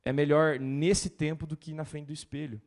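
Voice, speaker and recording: A male pastor preaching a sermon in a lively way, mimicking complaining churchgoers. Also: fairly high pitch, moderate pace, gravelly.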